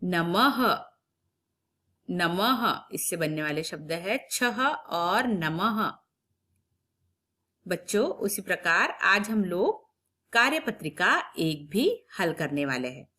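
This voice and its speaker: A woman teacher giving a recorded phonics lesson to young children. She repeats every word and sound slowly and clearly, and stops to ask the children questions. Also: lowish voice, lively intonation, bright, forceful tone. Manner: patient, questions the children directly. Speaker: primary school teacher.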